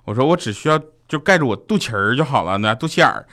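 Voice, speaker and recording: A man's voice: medium pitch, lively intonation, quick pace, sharp tone. A man hosting a radio show, telling a string of short jokes and acting out quoted voices. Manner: jokey, acts out quoted voices. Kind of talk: comic monologue of jokes.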